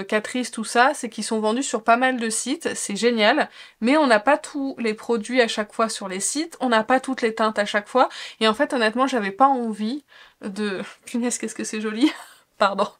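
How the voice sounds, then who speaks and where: Woman makeup vlogger, gushing and chatty, slightly high voice. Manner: enthusiastic, gushing, soft asides. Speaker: beauty vlogger. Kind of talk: casual makeup tutorial.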